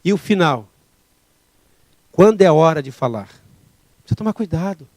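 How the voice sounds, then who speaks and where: A man's voice: on the high side, animated, moderate pace, a little mellow, no echo. A man preaching a sermon as pastor, emphatic and full of rhetorical questions.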